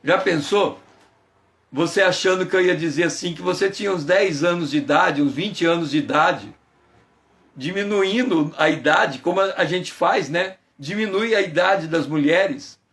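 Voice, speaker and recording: A man giving a conversational morning devotional sermon as a pastor, playful and teasing, greeting viewers by name and slowing down to stress key phrases. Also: fairly high pitch, a bit bright. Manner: slows down and stretches phrases for emphasis.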